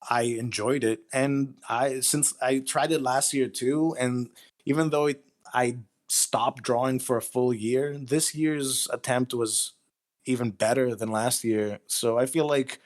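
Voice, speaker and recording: A man's voice: medium pitch, steady tone, a little slow. A man speaking as a guest writer in a casual interview, modest and self-deprecating about himself.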